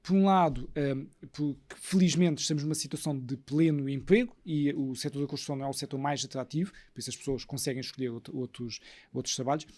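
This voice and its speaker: A man's voice: mid-range voice, fairly even intonation, fast, dark tone. A man with a European Portuguese accent, speaking as an expert guest in an analytical discussion.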